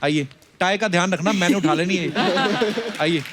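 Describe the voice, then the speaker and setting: A man hosting a comedy show, teasing his guests with a quick wit. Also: high-pitched. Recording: loud studio audience and noise.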